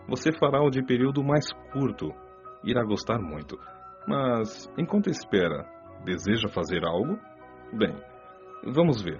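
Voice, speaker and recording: Low-voiced patient spirit mentor. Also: male voice, darkish tone. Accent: Brazilian. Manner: didactic, measured explaining. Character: kindly male spirit mentor, patient, wise, instructive. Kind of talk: radio drama acting. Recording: lo-fi band-limited audio, music behind. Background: music.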